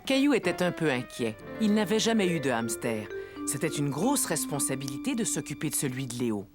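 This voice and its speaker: Casting: female narrator for children's tales, slightly low register, animated intonation. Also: brisk. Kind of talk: scripted children's storybook narration. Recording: music under the voice.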